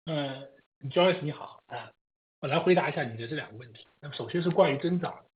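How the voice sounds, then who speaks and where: A man, a company executive, giving formal answers phrase by phrase with halting delivery. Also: a little high. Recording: dull lo-fi conference line.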